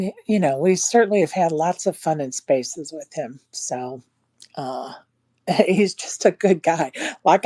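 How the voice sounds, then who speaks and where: A woman's voice: low-pitched, warm tone, no room sound. A woman chatting casually and loosely, with conversational filler phrases. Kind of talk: casual chat in a live online audio room.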